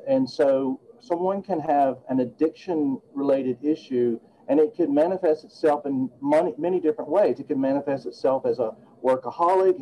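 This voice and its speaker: A man's voice: mid-range voice, highs cut off, a little hiss or hum. A man in his late fifties, a guest attorney talking earnestly and reflectively in a podcast interview. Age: 50s.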